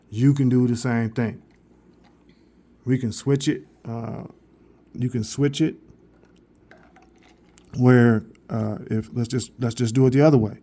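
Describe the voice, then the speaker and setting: A man talks viewers through a new phone's translation feature in a loose, rambling vlog. He circles back and restarts his sentences, then earnestly tells people to go get one. His voice sits at an ordinary middle pitch. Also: a little mellow. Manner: rambling and repetitive, with frequent restarts; earnest, directly urging viewers. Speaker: vlogger reviewing a phone. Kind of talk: casual product demo.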